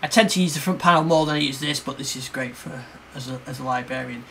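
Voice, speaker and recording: A man giving a casual, hands-on synthesizer demo, explaining informally and a little haltingly as he works. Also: mid-range voice, vocal fry, a bit bright, slight background noise. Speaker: synthesizer demonstrator and reviewer. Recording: synthesizer music behind the voice. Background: synthesizer sounds and music.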